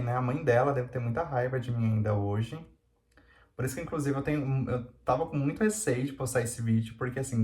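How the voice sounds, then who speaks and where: A man confides a personal story straight to his viewers. He talks in a candid, rambling way, full of fillers, at a middling pitch. The recording has a roomy echo. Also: darkish tone. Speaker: vlogger.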